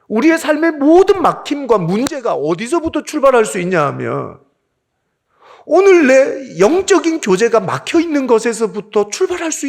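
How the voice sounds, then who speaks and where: Animated, gravelly Korean pastor preaching. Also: male voice, high voice. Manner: storytelling, emotional, animated. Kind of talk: sermon.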